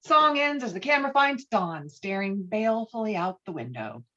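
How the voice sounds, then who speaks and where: A woman's voice: medium pitch, sing-song, moderate pace, bright, forceful tone. A woman reading stage directions as scripted narration for a table read. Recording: dull, lo-fi online call audio.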